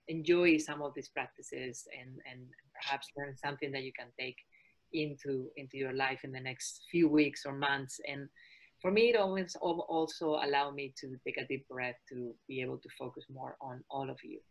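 A woman in her forties from Spain with a Spanish accent, presenting a fitness webinar as a trainer and health coach in a calm, soft-spoken way. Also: rumbling low, normal speed, poor audio.

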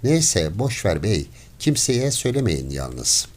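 Man playing a gruff forest warden, low voice, curt, commanding, audiobook story. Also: big pitch swings, takes it slowly, heavily acted. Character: gruff stern forest warden, grim and hard. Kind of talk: audiobook character voice.

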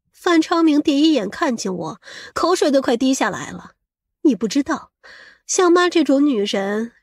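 A woman's voice: high-pitched, no room sound, clean studio sound. A woman playing a vain, scheming middle-aged mother in an audiobook, with a scolding, boastful and coarse-tongued manner. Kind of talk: audiobook character acting.

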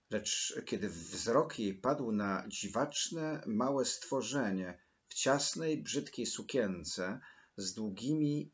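A man narrating a novel chapter in a measured, deliberate storytelling manner. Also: mid-range voice, highs cut off. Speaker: audiobook narrator. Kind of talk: scripted literary narration.

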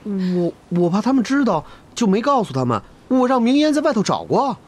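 A man's voice: sits high, sing-song, brisk. A young actor playing a spoiled, stubborn young nobleman in a period TV drama. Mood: petulant. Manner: petulant, defiant.

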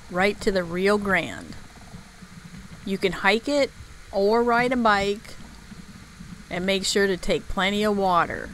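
A woman narrating her outdoor travel vlog in a measured, informative scripted voice-over. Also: mid-range voice, slight background noise, low-quality recording. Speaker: travel vlogger.

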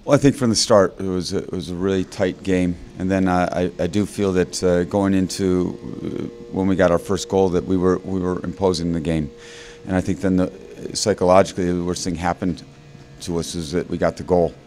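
Very deep-voiced halting coach. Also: male voice, steady tone, a little mellow. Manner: halting, many fillers and restarts. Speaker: head coach. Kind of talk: postgame interview. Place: indoor interview backdrop. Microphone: handheld mic held by interviewer.

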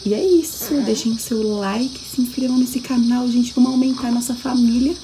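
A young woman, a mother, chatting casually in a family vlog and talking gently to her baby. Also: fairly high pitch, fairly even intonation, moderate pace, noisy background. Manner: affectionate, coos to her babies. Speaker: vlogger, mother.

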